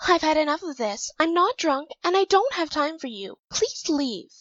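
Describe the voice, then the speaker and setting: A very high, slightly muffled young woman's voice, performed by an actress for an audio drama. She is an impatient clone, curt and defiant, with a threatening edge. The recording is dull and lo-fi. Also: big pitch swings, moderate pace, fairly bright tone. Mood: cold, defiant.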